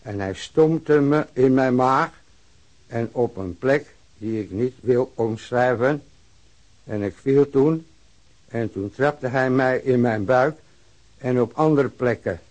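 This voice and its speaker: An actor playing an aggrieved, down-and-out middle-aged labourer who drinks, telling his story in halting, plain words for a radio drama. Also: medium pitch, a little mellow, natural voice, low-quality recording. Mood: aggrieved, plodding. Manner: halting, plain-spoken, simple repetitive phrasing. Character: aging down-and-out working-class drinker recounting police beating, aggrieved. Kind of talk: radio drama monologue, letter of complaint.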